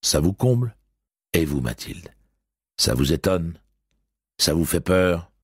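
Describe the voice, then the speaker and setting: A dreamy, mild-mannered police commissioner from an audiobook, voiced by a man. He speaks in an unhurried, musing way, with a deep, raspy voice. The sound is close and dry. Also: sing-song, dry recording, heavily acted.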